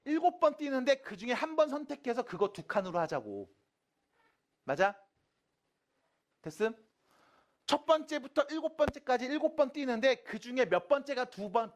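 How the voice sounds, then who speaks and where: A man working through exam math problems as a teacher, informal and often checking understanding with short questions, his articulation slightly slurred as if after dental work. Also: very high voice. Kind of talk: exam problem explanation to students.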